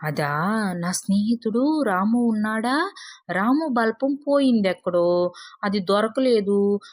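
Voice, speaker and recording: A woman playing a curious, astonished young schoolboy in a storybook tale, speaking in an animated, questioning way. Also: medium pitch, slow pace. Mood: earnest, indignant. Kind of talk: acted storybook dialogue.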